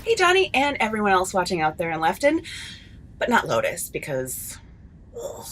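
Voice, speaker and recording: Sneaky teasing chatty gal, comedy drama, bright voice, swoopy and animated. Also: female voice, medium pitch, moderate pace, slight background noise. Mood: chatty, sly. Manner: chatty, mock-innocent, teasing. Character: cheeky, gleefully sneaky woman, chatty amateur snoop. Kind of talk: comedy audio drama acting.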